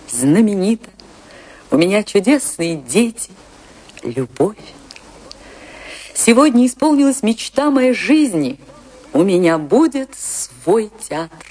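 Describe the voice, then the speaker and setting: A slow, theatrical woman dancer. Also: medium pitch, a little mellow. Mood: elated. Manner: theatrical, measured, with dramatic pauses. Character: famous woman dancer recalling her tragic life, impassioned and sorrowful. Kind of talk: dramatic first-person radio play monologue.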